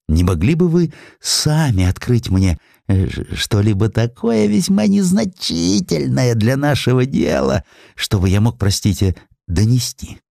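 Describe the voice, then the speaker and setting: A man's voice: medium pitch, vocal fry, warm tone, no room sound, clean studio sound, pitched above the performer's own voice, exaggerated voice. A man voicing a meek, anxious provincial clerk with an obsequious, plaintive manner in an audio drama.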